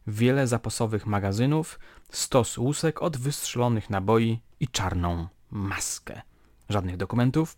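Man, storytelling host, dramatic crime narration, dry close sound, mid pitch. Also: dry recording. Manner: dramatic reading with lively quoted shouts. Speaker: podcast host.

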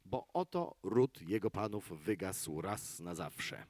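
A man's voice: low-pitched, animated, slow pace, dry recording, voice pushed down, full character voice. A man voicing a huge fairy-tale giant in a terse, commanding, solemn manner. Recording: live concert with loud music.

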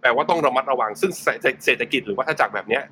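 A man speaks as a guest investment coach, walking through markets in a steady, plain voice. He explains with examples and mixes in English finance terms. A faint hiss of noise sits under him. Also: mid-range voice, very fast. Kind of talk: casual explanatory talk.

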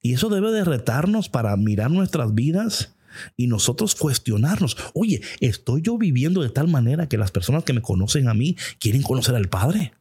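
A male preacher delivers a heartfelt devotional message in a conversational, passionate manner, now and then slipping English words into his speech. His voice is dark and mellow with a husky edge. He talks straight to the listener, as if in close conversation. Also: mid-range voice, very animated, moderate pace. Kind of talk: devotional sermon.

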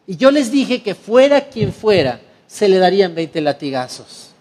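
A man's voice: high voice, big pitch swings, measured pace, a little mellow, heavily acted. A man voicing a stern island tribal chief. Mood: solemn. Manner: firm, solemn proclamations.

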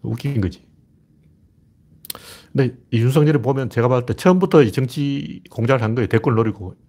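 A man's voice: medium pitch, a little fast, slightly rough. A middle-aged man hosting a political commentary livestream, talking bluntly and scornfully and getting heated. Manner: blunt, heated and scornful, rising to near-shouting. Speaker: livestream host.

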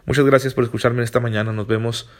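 A man's voice: medium pitch, level tone, fast talker. A man, a Catholic priest preaching an impassioned, exhorting sermon. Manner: impassioned, exhorting, with frequent rhetorical "¿sí?".

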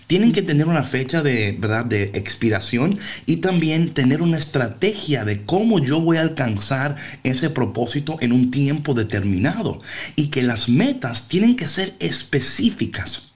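A man's voice: fairly high pitch, very animated, moderate pace, a little mellow. A man hosting a casual motivational talk, explaining things with rhetorical check-in questions and slipping English words and phrases into his Spanish. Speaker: talk show host.

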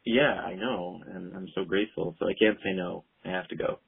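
This guest, a clinical herbalist on speakerphone, has a low, gravelly, husky voice with fairly even intonation and a brisk pace. The tinny call carries his rambling, relaxed interview chat, thick with "like" and "you know."

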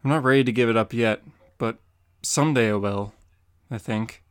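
A man's voice: mid-range voice, moderate pace, clean tone, dry recording, studio quality, close to an everyday voice. A man voicing a cheeky teenage boy sidekick in a dramatic comic reading, asking curious questions.

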